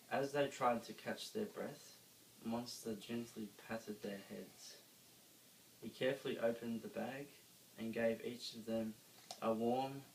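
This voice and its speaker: A man with an Australian accent reads a children's story aloud, dramatically, with emphatic pauses. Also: fairly low pitch, vocal fry. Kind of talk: expressive children's story reading. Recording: roomy, distant mic, faint noise.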